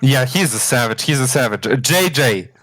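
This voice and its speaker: A man's voice: mid-range voice, lively intonation, normal speed, a bit bright. A man from Bosnia, a longtime fan joining a live stream, talking eagerly in slang. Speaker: fan calling in. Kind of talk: excited fan chat.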